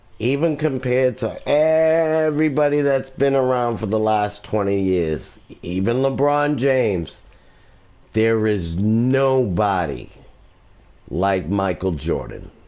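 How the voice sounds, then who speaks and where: A man speaks very slowly in a dark, mellow tone. His loudness stays very even while his intonation is lively. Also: medium pitch for a man. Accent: Boston. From Boston, Massachusetts. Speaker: gaming live streamer. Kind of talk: casual live stream chat.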